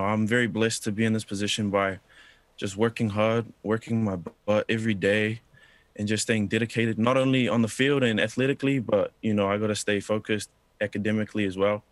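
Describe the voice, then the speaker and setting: A man's voice: on the low side, steady tone, fairly quick, dry recording. A young man from New Zealand on a video call, answering politely and earnestly, calling the host sir. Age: young adult. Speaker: interviewee. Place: indoor room.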